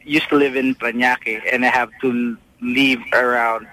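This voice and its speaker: A male caller on a radio phone-in who talks hesitantly and keeps restarting his sentences. His voice is bright and mid-pitched. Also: flat delivery, normal speed, a little hiss or hum, low-quality recording. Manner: hesitant, many fillers and restarts. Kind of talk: phone-in chat.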